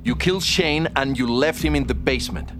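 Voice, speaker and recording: An actor playing a stern police detective who questions firmly and measuredly, then turns accusing. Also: male voice, mid-range voice, fairly quick, close to an everyday voice. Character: stern hard-pressing male detective.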